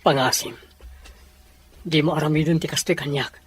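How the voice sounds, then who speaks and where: A man's voice: fairly high pitch, steady tone, normal speed, breathy edge. An actor playing a lovesick, stubborn young man in a radio drama, emotional and insistent. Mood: pleading.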